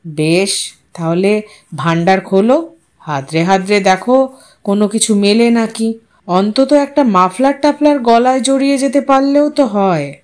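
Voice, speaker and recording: A woman's voice: medium pitch, unhurried, a little mellow, lightly acted. A woman voicing a wry, bantering, easygoing young husband in an audio story.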